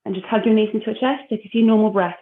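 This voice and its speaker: A woman leading a core exercise class, giving calm, encouraging cues and breath counts. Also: medium pitch, very fast. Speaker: fitness instructor. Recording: phone-like narrow audio.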